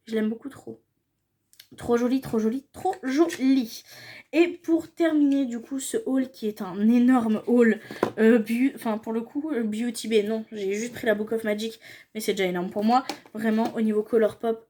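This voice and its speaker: A woman's voice: fairly high pitch, a little mellow. A young woman chatting casually in a makeup haul vlog, gushing and repeating her praise. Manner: gushing, repeats "trop, trop beau". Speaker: beauty vlogger.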